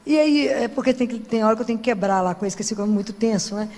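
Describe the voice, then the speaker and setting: High-voiced woman preaching in a church. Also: very fast. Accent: Brazilian Portuguese. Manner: conversational, animated storytelling with frequent "né?". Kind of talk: sermon. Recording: long reverb of a church hall.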